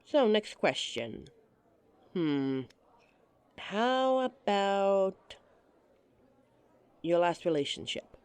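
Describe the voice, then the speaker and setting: A woman's voice: medium pitch, very animated, extremely slow, pauses often, a little mellow, clean tone, no echo. A woman performing a scripted roleplay monologue to a listener, playful and giggly, with a teasing manner.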